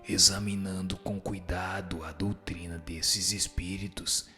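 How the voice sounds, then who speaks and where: A man playing a grave, admonishing spirit teacher in a scripted audio drama, speaking in a solemn, measured, didactic way. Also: low voice, level tone, sharp tone, soft background music. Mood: solemn, instructive.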